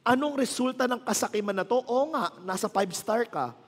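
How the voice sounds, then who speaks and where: Long reverb trails this man's very high, slightly rough voice as he talks a little fast with lively intonation. He's a pastor in his thirties with a Filipino accent, weaving stories and jokes into a casual sermon in mixed Tagalog and English, though lack of sleep leaves him sounding strained and tired.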